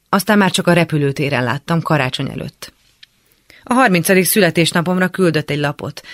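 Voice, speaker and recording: A woman reading aloud a first-person memoir in a calm, measured storytelling manner. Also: low voice, creaky, no echo, clean studio sound. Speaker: reader.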